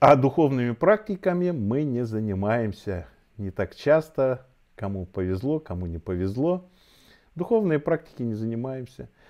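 A dark, mellow voice at a moderate pace, over a quiet background. Its loudness rises and falls sharply, and its pitch swings very widely. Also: man. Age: 60s. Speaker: numerologist; numerology teacher. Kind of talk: interview. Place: home room.

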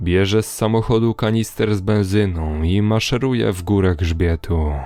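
With music playing in the background, a man talks at a moderate pace in a fairly low voice with ordinary pitch variation. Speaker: horror story narrator. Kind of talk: scripted horror story narration, first-person creepypasta of a park ranger, read aloud. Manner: tense, hushed suspense, building dread with dramatic pauses.

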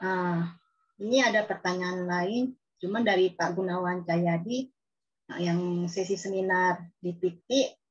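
A woman speaks at a very slow pace with fairly even intonation and a somewhat breathy voice. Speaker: seminar moderator. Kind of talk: formal moderation. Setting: video call. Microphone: video call.

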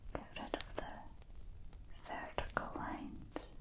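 A soft-spoken woman whispering at a fairly slow pace. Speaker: relaxation video host. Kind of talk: soft guided relaxation talk. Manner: soft close ASMR whisper. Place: home room. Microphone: studio mic.

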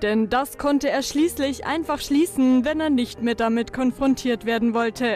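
A woman's high voice at a moderate pace, hardly any pauses, ordinary pitch variation and very even loudness, with music in the background. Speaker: TV reporter. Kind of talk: TV news report narration.

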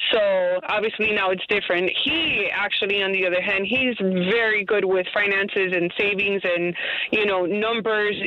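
A woman speaks at a moderate pace with fairly even intonation and very even loudness. The sound is dry, with no echo. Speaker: caller. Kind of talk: call-in radio question. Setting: phone call. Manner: halting. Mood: slightly anxious, candid. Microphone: phone line.

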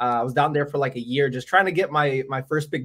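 Against a quiet background, a man with an American accent speaks at a very fast pace. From US Midwest, Chicago area. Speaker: land investor and digital marketer; interview guest. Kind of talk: casual interview. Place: home room.

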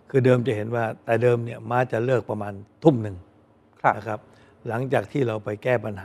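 The speaker is a man with a dark, mellow tone. His intonation stays fairly even. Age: old. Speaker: horse racing club chairman; interview guest. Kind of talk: TV interview. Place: studio. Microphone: lapel.

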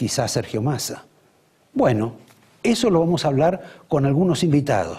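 A man's fairly high, dark, mellow, somewhat breathy voice with a Rioplatense accent, fairly slow and with lively intonation. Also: quiet background. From Argentina. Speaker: TV news-politics host. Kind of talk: interview show opening and moderating political talk. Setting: studio. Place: studio. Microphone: lapel.

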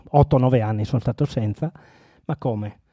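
Ordinary pitch variation shapes a man's dark, mellow voice, heard over a quiet background. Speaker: presenter. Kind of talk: casual presentation talk. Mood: humorous, self-deprecating. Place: hall.

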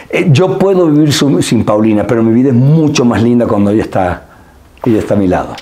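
A man talks at a fairly quick pace with lively intonation and very even loudness. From Argentina. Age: 50s. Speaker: actor. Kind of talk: interview answer. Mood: warm, affectionate about partner. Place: studio.

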